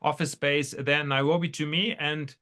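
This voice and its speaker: Bright-voiced, higher-pitched man from Germany. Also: level tone. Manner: halting, rambling, repeats words. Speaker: podcast guest, entrepreneur. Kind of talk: casual anecdotal interview storytelling.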